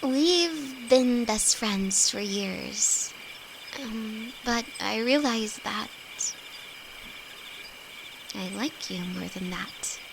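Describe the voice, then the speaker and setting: A woman's voice: fairly high pitch, gravelly, exaggerated voice. A woman playing a timid, affectionate young apprentice alchemist in an intimate fantasy audio roleplay, speaking hesitantly to her best friend. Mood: nervous confession. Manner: hesitant, halting, soft-hearted. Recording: noisy, with night insects behind. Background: crickets and night forest ambience.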